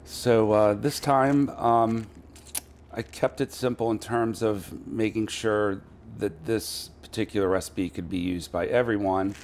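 A man's voice: lowish voice, a little slow, slight background noise. A middle-aged man, a chef, casually talking through a recipe at a pub bar with plenty of ums and uhs. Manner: relaxed, many ums and uhs. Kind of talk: casual cooking demo.

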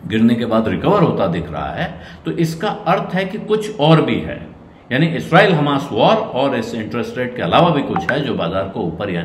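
A middle-aged man, a senior journalist, giving measured market commentary to camera from a room at home. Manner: measured explanatory delivery, dropping low at cautions. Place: indoor room with curtains. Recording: roomy echo, faint noise.

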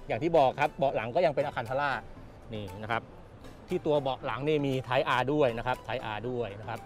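A man films a casual walkaround of a car in a busy indoor motor show hall. He chats along, repeating his points and ending phrases politely, in a mid-pitched voice. Faint music plays in the background. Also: a little fast. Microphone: handheld camera mic, presenter off camera.

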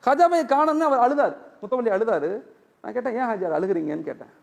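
A man's voice: very high voice, fast talker, vocal fry. A male Islamic preacher giving a sermon, telling stories and acting out the dialogue. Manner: animated storytelling, acting out dialogue.

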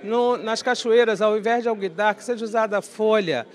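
A woman's voice: a little high, fairly quick. A middle-aged woman with a Brazilian Portuguese accent, an event director, speaking emphatically into a reporter's handheld mic in an indoor hall. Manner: emphatic, repetitive insistence. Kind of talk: interview soundbite.

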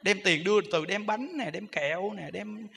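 A male Buddhist monk with a Southern Vietnamese accent gives a sermon in a high, bright voice. He talks in a humorous, chatty way and keeps asking his listeners rhetorical questions. His voice rings with long reverb in an echoey hall. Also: normal speed, vocal fry, husky. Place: temple hall.

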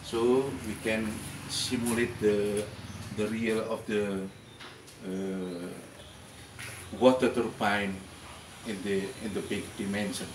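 A man's voice: fairly low pitch, level tone, slow, noisy background. An older Indonesian man with Indonesian as his first language, giving a hesitant tour of his lab projects in English, full of fillers and restarts. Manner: hesitant, many fillers and repeated words. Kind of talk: halting presentation in second-language English. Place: garden workshop, indoors and outdoors. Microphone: handheld camera close by. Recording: echoey with clear background ambience.

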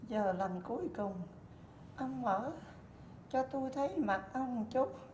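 A frail, nagging old wife. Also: female voice, fairly high pitch, expressive, unhurried, mellow. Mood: complaining. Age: older. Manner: plaintive, complaining. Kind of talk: stage comedy sketch. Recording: roomy stage recording with noise.

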